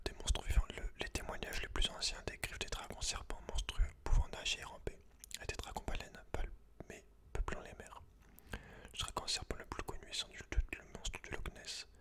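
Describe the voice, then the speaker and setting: Whispering man, ASMR host. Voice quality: breathy, unvoiced whisper. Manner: informal, slangy asides to the listener. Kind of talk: whispered ASMR reading aloud with casual asides.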